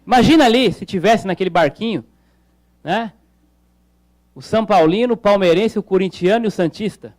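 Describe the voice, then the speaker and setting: A man's voice: sits high, moderate pace, long pauses, darkish tone. A male pastor preaching a sermon in a conversational way, with jokes and rhetorical questions.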